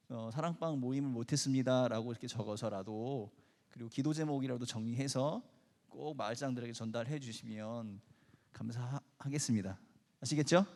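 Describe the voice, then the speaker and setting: A man's voice: medium pitch, a little mellow. Man making announcements in an echoing hall. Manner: polite, encouraging, addressing the group. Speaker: church training leader giving announcements. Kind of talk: announcements to a congregation. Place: church hall. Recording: long echoing hall reverb.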